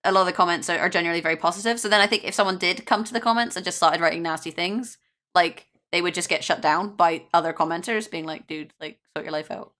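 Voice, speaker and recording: A woman talking on a casual gaming podcast as a guest. Her voice is bright and a little low, and she talks quickly in a chatty, informal way.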